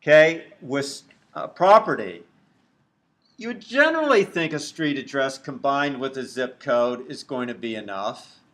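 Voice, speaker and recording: A middle-aged man with a big, loud voice, giving a recorded university lecture while writing on a tablet, slow and deliberate. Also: medium pitch, big pitch swings. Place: at a computer, screen recording.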